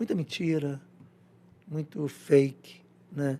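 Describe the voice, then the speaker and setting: A man talks at a very slow pace. His voice is fairly high, with ordinary pitch variation. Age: 60s. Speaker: social project founder. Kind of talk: podcast interview.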